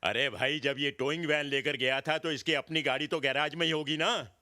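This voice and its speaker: A sarcastic garage owner defends his young worker. His voice is bright and mid-pitched, and it sounds close and dry. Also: fairly even intonation, moderate pace, no room sound. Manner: sarcastic, protective. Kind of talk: Hindi film acting.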